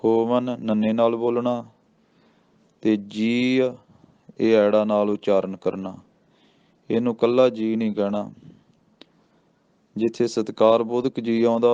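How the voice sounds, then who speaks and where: A man gives a slow lesson in scripture pronunciation, drawing out each verse in a deliberate chant before explaining it. His voice is low, flat and unhurried, with a smooth, mellow tone. The recording sounds a little dull and muffled. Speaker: scripture recitation teacher. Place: Sikh religious school.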